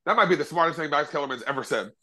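Fast-talking African American man, slightly high-voiced. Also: expressive, bright, forceful tone. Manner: emphatic, colloquial banter. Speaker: sports podcast co-host. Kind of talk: casual sports chat with friends, slangy and profane.

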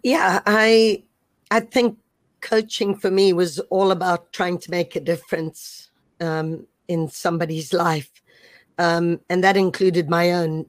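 A woman's voice: lowish voice, no room sound. A middle-aged woman from Zimbabwe, a coach, reflecting thoughtfully in an interview. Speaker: sports coach.

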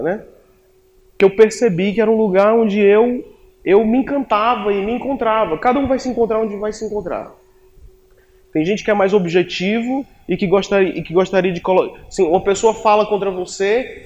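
A man's voice: high voice, dull audio. A young man with a Brazilian Portuguese accent, a doctor telling his own story to an audience in a humorous, self-mocking way. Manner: joking, self-mocking, animated.

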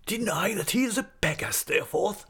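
A man's voice: high voice, very animated, unhurried, gravelly, husky, pitched above the performer's own voice, heavily acted. A man voicing an irascible, pompous school principal in an audiobook, full of sarcastic politeness and whispery menace. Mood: severe, mock-polite. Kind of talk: audiobook character acting.

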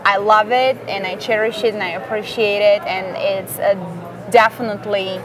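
A woman's voice: mid-range voice, steady tone, moderate pace, a crowd in the background, poor audio. A young woman from Slovakia with a Slovak accent, a non-native speaker chatting as an interview guest, who sometimes searches for words. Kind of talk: casual interview chat. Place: hotel lounge with music playing.

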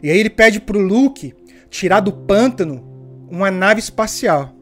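A woman's voice: medium pitch, measured pace, faint music behind. A woman preaching a sermon, telling stories with energy and asking her listeners pointed rhetorical questions. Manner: lively storytelling, asks rhetorical questions.

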